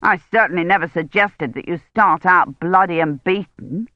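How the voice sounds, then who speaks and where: A worried, protective older academic man, voiced by a woman reading a novel, sharp and reproachful. The recording is dry and close, with a slightly dull, lo-fi sound. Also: lowish voice, moderate pace, dry recording, close to an everyday voice. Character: protective older male Oxford don, anxious.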